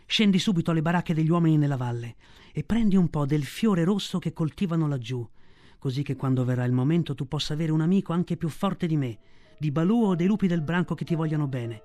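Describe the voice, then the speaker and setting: Storybook panther, man reading: tender, proud, mellow and slightly high. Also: fast, close to an everyday voice. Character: black female panther, protective and proud.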